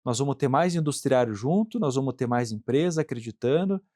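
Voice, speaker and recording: A man's voice: medium pitch, expressive, brisk, darkish tone, dry recording. Earnest Brazilian man, dry close sound. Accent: Brazilian Portuguese. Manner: earnest, frequent "né" tag questions, repeats words. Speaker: industrial plant manager, guest. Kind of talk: conversational interview answers.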